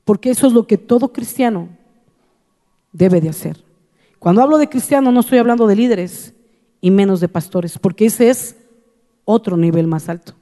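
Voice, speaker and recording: A woman pastor shares her testimony from the pulpit, telling it earnestly and repeating key phrases for weight. Her voice is mellow and dark in tone. The sound carries a long reverb, as in a large hall. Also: mid-range voice, normal speed, long pauses. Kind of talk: testimony in a sermon.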